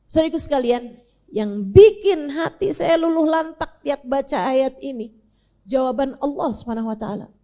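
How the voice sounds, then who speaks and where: A woman's voice: high voice, lively intonation, moderate pace, dark tone. A woman preacher telling a story in a sermon, acting out the dialogue and chanting scripture verses. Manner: dramatic, acts out dialogue with Quranic recitation. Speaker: Islamic preacher.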